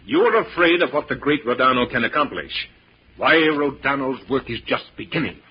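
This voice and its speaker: An actor playing a megalomaniac, menacing mad scientist in a grandiose 1940s radio drama style, with a husky, raspy voice. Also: male voice, mid-range voice, expressive, normal speed. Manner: grandiose, theatrical. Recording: muffled, lo-fi old radio recording.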